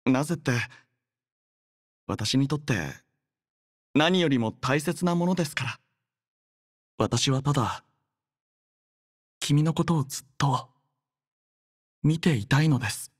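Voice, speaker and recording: A man voicing an earnest, devoted young male soldier in a game, speaking politely, softly and sincerely in a measured way. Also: fairly high pitch, dry recording, studio quality. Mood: tender, sincere. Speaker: voice actor. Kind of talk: acted game character voice lines.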